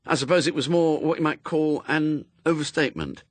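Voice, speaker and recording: A man's voice: on the high side, brisk, no echo, voice pushed up, lightly acted. A man voicing a hapless, gloomy, awkward man with a hesitant, wordy, apologetic way of talking in a storybook. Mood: wretched, sheepish.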